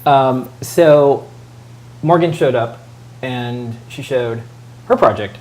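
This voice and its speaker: A man's voice: medium pitch, takes it slowly, darkish tone, a little hiss or hum. A man co-hosting a show in casual chat, rambling along with many fillers and side remarks. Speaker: show co-host.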